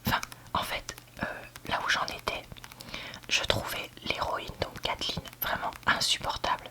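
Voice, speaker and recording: A book reviewer giving a candid, hesitant ASMR review in a soft library whisper, often searching for words. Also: normal speed. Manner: soft library whisper, almost entirely unvoiced. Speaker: book reviewer, video host.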